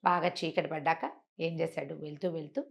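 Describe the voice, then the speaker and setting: A woman's voice: low-pitched, level tone, normal speed, vocal fry. A woman telling a folk story informally, in a conversational way with explanatory asides and rhetorical questions.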